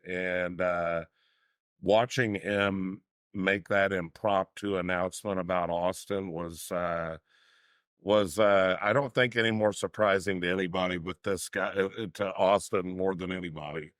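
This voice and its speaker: Male co-host, very low voice, rambling and restarting, dry room sound. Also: fairly even intonation, a little slow, no room sound. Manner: rambling, filler-heavy storyteller. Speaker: talk show co-host. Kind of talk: casual chat.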